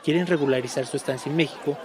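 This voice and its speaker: A man's voice: fairly high pitch, very fast. A man narrating a news report as field reporter. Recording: street crowd and noise behind.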